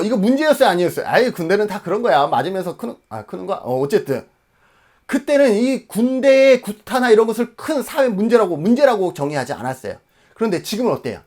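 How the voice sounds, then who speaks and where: A man's voice: high-pitched, a little mellow. A man in his forties from Jeju Island, South Korea, giving an exam-prep lecture emphatically, asking questions and answering them himself.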